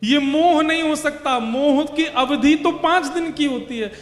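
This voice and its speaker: A man's voice: very high voice, measured pace. A man telling a devotional story as a preacher, impassioned and building up through repetition. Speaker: religious storyteller. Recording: echoey hall with faint music.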